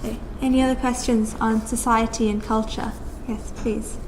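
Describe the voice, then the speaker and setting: A woman's voice: on the high side, little pitch movement, moderate pace. A woman moderating a question session, posing and restating questions for the audience. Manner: questioning, clarifying. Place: lecture room with audience. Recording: echoey room with background noise.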